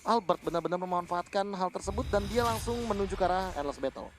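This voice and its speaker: A man's voice: sits high, fast, faint music behind. A man with an Indonesian accent giving live esports commentary and analysis as a co-caster. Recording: clear background noise.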